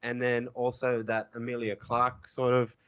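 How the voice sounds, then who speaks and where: A man talking in casual podcast banter, animated and jokey, swearing now and then. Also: mid-range voice, a little slow, smooth, dry recording. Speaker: podcast guest. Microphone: Skype call. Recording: dry, dull Skype call audio.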